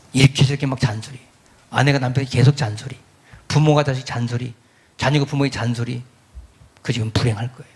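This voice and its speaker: A middle-aged man preaching a sermon as pastor, lively, acting out quoted voices of parents and churchgoers. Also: medium pitch, vocal fry, breathy edge.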